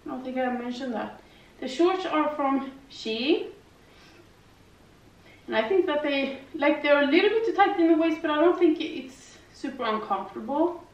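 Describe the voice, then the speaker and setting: A young woman with a foreign accent chatting casually in a rambling way, full of fillers and tag questions, while doing yoga in her living room. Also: sits high. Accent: non-native English, lives in Sweden. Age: young adult. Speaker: vlogger. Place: living room with slanted ceiling, indoors. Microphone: far camera. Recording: roomy, distant, dull camera audio.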